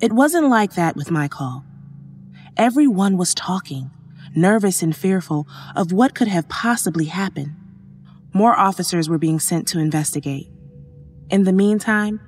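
A woman playing an emergency operator who narrates a first-person horror story in a measured, sombre way. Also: fairly low pitch. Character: female emergency operator recounting a haunting night. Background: faint music.

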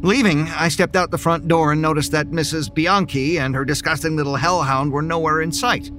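An actor playing an anxious man who unravels into paranoia, stammering and halting as he narrates. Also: a little high, steady tone, over music, lightly acted. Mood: brooding narration. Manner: halting, stammering, rising to desperate pleading. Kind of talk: audio drama acting with narration.

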